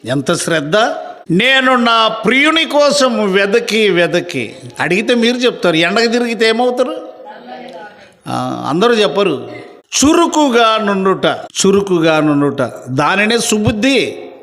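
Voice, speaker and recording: A man's voice: high voice, big pitch swings, measured pace, pushed and bright, in a large hall. A man preaching a sermon as pastor, giving orders to his readers in a stern voice that rises to emphatic declarations. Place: church meeting.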